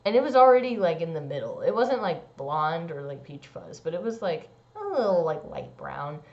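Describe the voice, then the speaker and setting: A young trans man vlogging a casual personal update, rambling with lots of "like" and "um" and swooping into squeaky high bits. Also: big pitch swings, moderate pace, gravelly, a little mellow. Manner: rambling, many likes and ums. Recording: dull lo-fi sound.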